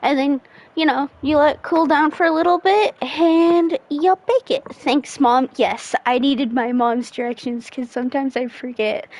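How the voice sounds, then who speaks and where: A woman's high voice with lively intonation, in a dry, close sound with no echo, over noticeable background noise. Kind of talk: casual live-stream chat.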